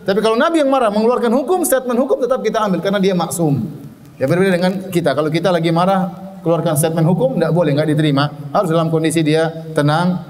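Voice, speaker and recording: High-voiced man teaching hadith in a hall. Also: racing. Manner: reads Arabic narration, then explains in Indonesian; lively, chuckles at his own examples. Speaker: Islamic teacher. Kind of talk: religious study lecture on hadith. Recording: long hall reverb.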